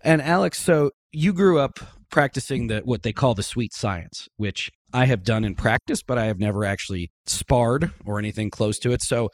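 Low-voiced male podcast host. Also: darkish tone, no echo, studio quality. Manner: chatty, easygoing questions with asides. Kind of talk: conversational interviewing.

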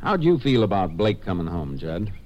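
Deep-voiced, steady Texas Ranger investigator. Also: male voice, normal speed, dull audio. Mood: calm, probing. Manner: calm, terse, methodical questioning. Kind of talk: 1950s western radio drama acting. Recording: noisy old-time radio recording.

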